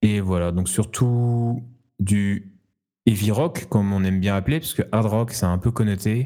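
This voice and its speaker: Delivered at a fairly slow pace, the voice has a dark, mellow tone and ordinary pitch variation on a very clean recording with a silent background. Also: man, fairly low pitch for a man. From Vendée, western France. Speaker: musician, podcast co-host. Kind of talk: casual chat.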